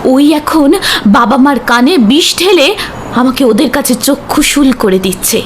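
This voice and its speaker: A woman's voice: sits high, lively intonation, normal speed, a little hiss or hum. A woman playing a resentful young woman with family grievances in a cartoon drama. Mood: bitter. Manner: bitter, complaining.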